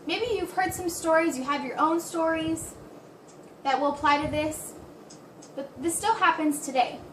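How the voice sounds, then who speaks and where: A woman voice-interpreting an informal presentation, speaking a little haltingly and rephrasing as she goes. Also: very high voice. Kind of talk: spoken interpretation of a signed talk, informal presentation. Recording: roomy echo, distant mic, background hiss.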